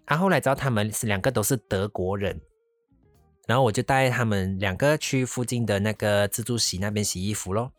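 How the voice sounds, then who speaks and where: A man's voice: fairly low pitch, brisk, dry recording, soft background music. A man casually telling a travel story, rambling along and slipping into English phrases. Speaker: vlogger.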